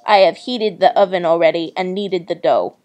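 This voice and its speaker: A woman's voice: lowish voice, moderate pace, darkish tone, natural voice. A woman voicing a wicked, greedy old witch in a storybook tale, gloating and commanding. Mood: sly, commanding.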